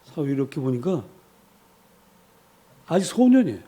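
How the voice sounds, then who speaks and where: A man's voice: a little high, big pitch swings, moderate pace, mellow. A male pastor preaching a sermon in a church, telling stories animatedly, acting out quotes and having the congregation repeat after him.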